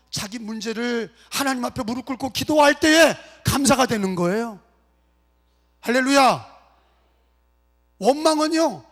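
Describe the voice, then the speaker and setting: High-voiced preacher in an echoing church. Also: male voice, a bit bright. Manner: rhythmic, repetitive preaching that builds to exhortation. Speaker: pastor. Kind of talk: sermon. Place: church sanctuary. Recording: long reverb of a church hall.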